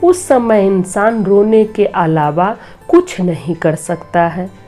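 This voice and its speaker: A middle-aged woman, slightly hoarse, earnestly telling a devotional story and giving moral advice as host of her channel. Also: mid-range voice, slow pace, soft background music. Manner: earnest, preachy, gently advising.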